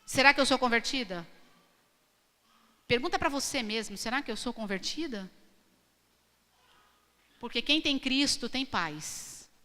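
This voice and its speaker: High bright woman preaching in a hall. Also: lively intonation, unhurried, long pauses. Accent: Brazilian Portuguese. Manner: emphatic, questioning the congregation. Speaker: pastor. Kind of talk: sermon. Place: church hall. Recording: long hall reverb.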